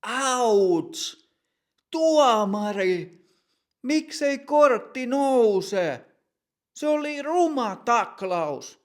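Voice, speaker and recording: A man voicing an upset young male amateur footballer, shouting indignant complaints in an audio story lesson. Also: extremely high pitch, animated, pitched above the performer's own voice.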